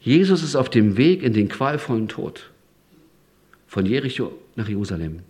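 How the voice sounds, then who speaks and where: A man preaching a sermon, lively and emphatic, often rising sharply in pitch and loudness. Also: normal speed.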